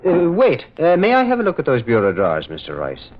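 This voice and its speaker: An actor playing a gentle, shrewd priest detective in an old-time radio mystery, wry and curious, musing in a hesitant, folksy way. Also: male voice, fairly high pitch, huge pitch swings, a little fast. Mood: curious, puzzled. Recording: muffled old radio recording.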